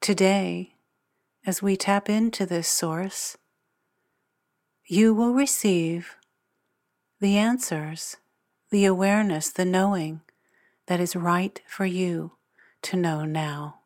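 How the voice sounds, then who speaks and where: Woman, meditation guide, lowish voice, very slow pace, deliberate phrasing, long pauses. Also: darkish tone.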